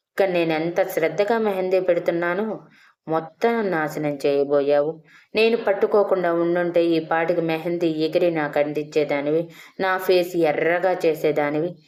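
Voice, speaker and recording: A woman's voice: deep voice, normal speed, darkish tone, close to an everyday voice. A woman voicing a stern, sarcastic older husband and grandfather in an audio story, scolding and teasing his wife.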